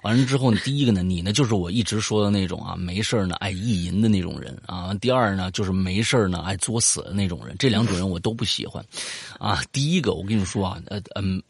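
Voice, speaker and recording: A male host with a fairly low, husky voice narrates a listener's story and comments on it in a loose, chatty way. He gets animated, swears, does voices for the quoted parts, and rambles with repeated words and many fillers. Dry, clean studio recording.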